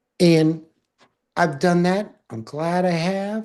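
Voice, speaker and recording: Against a quiet background, a man with a high pitch and a dark, mellow tone speaks at a very slow pace. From Alaska. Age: 60s. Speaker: author and mentor. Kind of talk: podcast interview.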